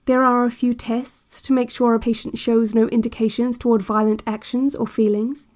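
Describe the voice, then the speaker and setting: A woman playing a calm, controlling institute narrator on a relaxation cassette, speaking in a measured and quietly menacing way. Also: a little high, natural voice. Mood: calm, veiled menace. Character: soft-spoken, controlling female institute narrator on a relaxation tape. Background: music.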